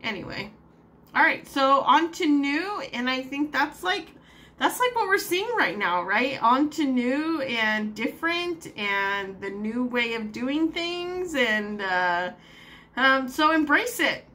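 A woman talks to her camera at home in a slow, unhurried way, her voice bright and clear. She rambles with plenty of fillers and small laughs. A faint hum of room ambience sits behind her. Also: sits high, lively intonation. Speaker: vlogger. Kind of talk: casual vlog chat.

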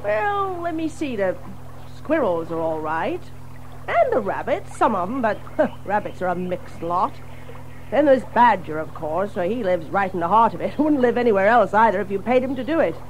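A woman's voice: medium pitch, very animated, moderate pace, faint music behind, close to an everyday voice, low-quality recording. A woman playing a chatty, friendly water rat in a children's audio drama, hearty and exclamatory. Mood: confiding. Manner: hearty, exclamatory, chuckling and hesitating.

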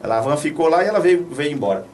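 A man's voice: on the high side, sing-song, very fast, darkish tone, a little hiss or hum. A man, hosting local radio in an outspoken, colloquial, repetitive way. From Brazil. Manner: colloquial, outspoken, repeats himself. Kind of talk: informal radio commentary and shout-outs. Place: small radio studio. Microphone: studio boom microphone off to one side, headphones. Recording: slightly distant from the microphone.

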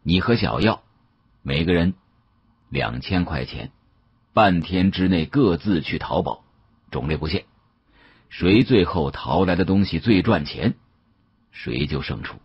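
Male narrator as older professor in an audiobook: shrewd, measured, avuncular, low gravel-soft husky voice. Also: lively intonation, lo-fi sound, exaggerated voice. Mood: calm, deliberate.

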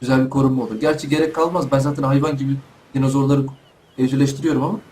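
Young male gamer, casual running commentary, mid-pitched, faint hum behind. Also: steady tone, very fast, a little mellow. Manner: chatty, talks to himself and the animals. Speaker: gaming YouTuber. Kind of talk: casual let's play commentary.

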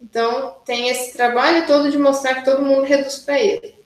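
A woman with a high, fairly even voice speaks a little fast in an echoey room, and the recording is rough. She's a university lecturer running an online class, working through exercises step by step and checking in with students often through frequent "né?" and "tá?"

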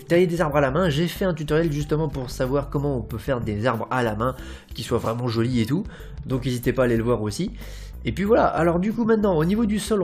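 A man's voice: fairly high pitch, darkish tone. A young man narrates a Minecraft building tutorial in a casual, rambling, playful way, full of fillers and little "hop" sounds. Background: faint background music.

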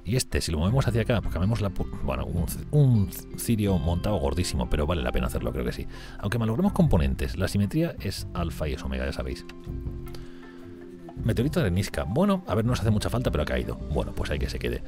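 Gaming host, Spanish man from Spain, rumbling low and quick, chatty and lively as he thinks aloud. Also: over music. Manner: chatty, thinks aloud and talks to his game characters. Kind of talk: let's-play commentary.

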